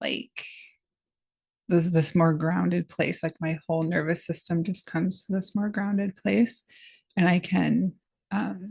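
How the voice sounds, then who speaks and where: A woman speaks at a fairly slow pace, with long, frequent pauses. Her voice is fairly low and somewhat breathy, with ordinary pitch variation. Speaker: wellness vlogger. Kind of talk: casual talk to camera. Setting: video call. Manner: halting.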